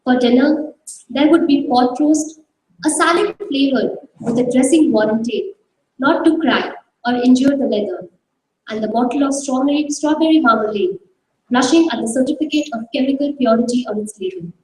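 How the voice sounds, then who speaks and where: A woman giving a measured, expressive dramatized reading of a short story on a live festival stage. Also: high-pitched. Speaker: reader. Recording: echoey hall from far off.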